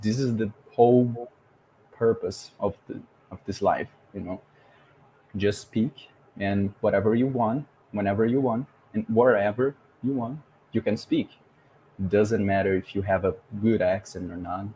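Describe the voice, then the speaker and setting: A man's voice: on the low side, steady tone, a little slow, dark tone, a little hiss or hum, rough recording. A Brazilian man with a Portuguese accent who speaks English fluently and hosts a casual chat. He talks emphatically and drives home his points with rhetorical questions. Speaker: podcast host. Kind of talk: casual conversation about language learning.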